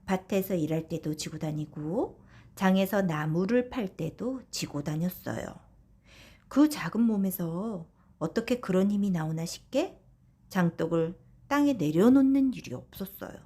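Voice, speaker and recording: A woman narrating a traditional folktale as a gentle bedtime story for children. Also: fairly low pitch, lively intonation, measured pace, breathy edge. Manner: soft storytelling tone addressed to children. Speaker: audiobook narrator.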